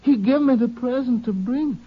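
An actor playing a frightened, childlike, simple-minded backwoods son in an old radio drama, with halting, pleading speech. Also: mid-range voice, husky, natural voice. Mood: pleading, sad. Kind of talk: 1950s radio drama acting. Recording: dull old radio broadcast recording.

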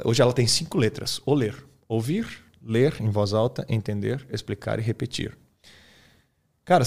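A man with a Brazilian Portuguese accent, an English teacher explaining his method in a relaxed, colloquial chat, often tagging his sentences with quick questions. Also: lowish voice, vocal fry. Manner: relaxed, colloquial, peppers speech with tag questions.

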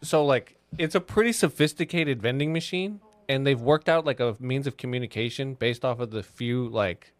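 A man's voice: medium pitch, normal speed, hardly any pauses, no echo. A man co-hosting a casual podcast, eagerly jumping in to explain. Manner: enthusiastic, jumps in to explain. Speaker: podcast co-host. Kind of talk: casual chat.

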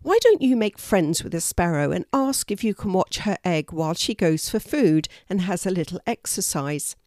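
A woman voicing a kind, calm male animal who gently reassures his friends in a children's story. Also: lowish voice, moderate pace, no room sound, clean studio sound, close to an everyday voice. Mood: kindly. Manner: gentle, encouraging.

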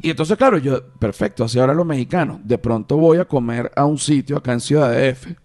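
A young Venezuelan man hosts a casual podcast, his voice sitting at an ordinary middle pitch. He rambles in an animated way, backing up and restarting his sentences as he goes. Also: fast talker. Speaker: podcast host.

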